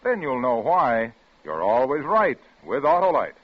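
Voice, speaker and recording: A man's voice: mid-range voice, sing-song, unhurried, husky. Old time radio ad guy, hearty salesman delivery, really swoopy voice, tinny recording. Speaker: commercial announcer. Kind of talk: vintage radio sponsor pitch, scripted.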